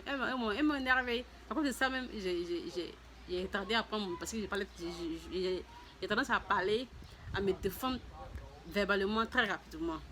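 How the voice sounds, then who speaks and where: A woman vlogger telling her personal story to viewers in a casual, halting way, often repeating words and restarting her sentences. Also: mid-range voice, a little hiss or hum. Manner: voices other people's lines in a raised, lively tone.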